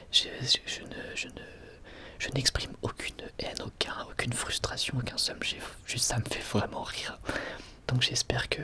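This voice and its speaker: A man speaks entirely in a soft, unvoiced whisper. He hosts casual ASMR, chatting informally to his viewers. His delivery is hesitant and reassuring, with a breathy texture throughout. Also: mid-range voice. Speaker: ASMR video host.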